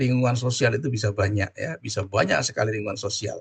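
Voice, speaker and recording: A man talking at a fairly quick pace, with vocal fry. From Java, Indonesia. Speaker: university lecturer. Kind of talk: lecture. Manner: animated, repetitive questioning.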